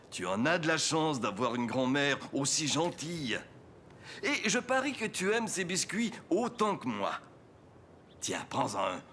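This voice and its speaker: An actor playing a kindly, jovial old gentleman in a children's cartoon, genial and theatrical. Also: fairly high pitch, slight background noise, full character voice. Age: older.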